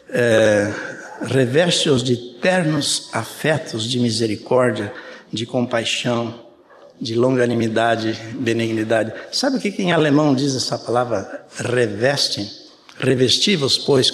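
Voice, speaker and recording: In a reverberant hall with faint ambience and slight background noise, an older Brazilian preacher talks through his sermon conversationally. He has a mid-range voice and a Brazilian Portuguese accent, and he often checks in with his audience.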